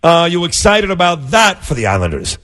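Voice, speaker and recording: A man with a New York accent co-hosting a morning radio show in lively talk. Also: a little high, brisk.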